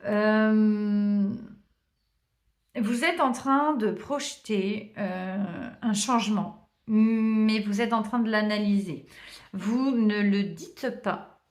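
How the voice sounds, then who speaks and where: A woman giving a casual tarot card reading to her viewers, chatty and hesitant, often pausing with "euh". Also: mid-range voice. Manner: chatty, warm thanks, many hesitations and small laughs. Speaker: tarot reader. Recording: roomy echo.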